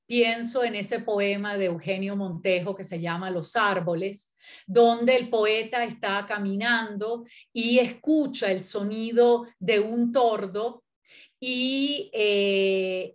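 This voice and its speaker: A middle-aged woman poet and critic, from Venezuela with Italian as her first language, speaking thoughtfully with many pauses, fillers and restarts at an academic panel. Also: mid-range voice.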